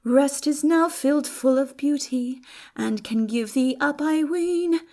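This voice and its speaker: A woman performing a lovelorn young man in an audiobook, singing slow, drawn-out verse with melodic yearning. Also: sits high, a little mellow, voice pushed up. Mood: gentle pleading.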